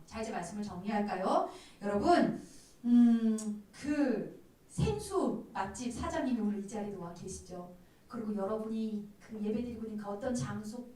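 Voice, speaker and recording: A woman youth pastor giving a sermon to teenagers, telling stories in an animated way. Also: a little high. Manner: animated storytelling, acts out quoted dialogue. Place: church. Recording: very echoey room, distant mic.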